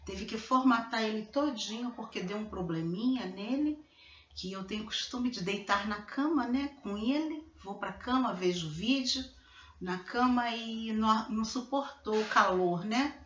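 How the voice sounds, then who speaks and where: A woman's voice: a little high, unhurried, a bit bright, slight background noise. Chatty woman in her fifties, roomy lo-fi webcam sound. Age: 50s. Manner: chatty, repeats words and adds tag questions. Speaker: beauty vlogger. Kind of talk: casual chat to camera. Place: living room at home, indoors. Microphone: laptop webcam.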